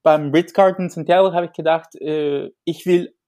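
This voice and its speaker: A man from Chile talks as a guest expert, his pitch a little raised. He hesitates often and restarts his sentences, yet keeps an enthusiastic tone. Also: steady tone, moderate pace. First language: Spanish. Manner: hesitant, many fillers and restarts, warm and enthusiastic. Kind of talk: podcast interview.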